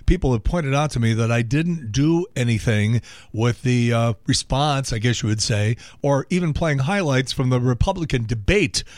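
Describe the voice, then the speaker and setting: A middle-aged man with a hoarse voice runs through a casual comic monologue as host. His pitch sits at an ordinary middle, and he speaks with wry, sarcastic asides. The recording is dry and close, with no room echo. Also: normal speed, a little mellow. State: hoarse from laryngitis. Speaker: radio and podcast host.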